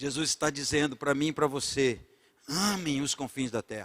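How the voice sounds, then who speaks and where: In a very clean recording with a silent background and a dry, close sound with no echo, a man speaks at a moderate pace in a fairly high voice. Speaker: preacher. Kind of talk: sermon. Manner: animated.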